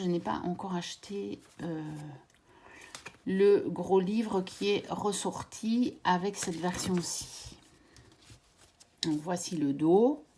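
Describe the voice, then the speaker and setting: A woman from Belgium hosting her own channel and presenting card decks in a gentle, measured way, pausing now and then with fillers. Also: lowish voice, a little hiss or hum. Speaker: tarot and oracle card channel host. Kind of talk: casual card deck presentation.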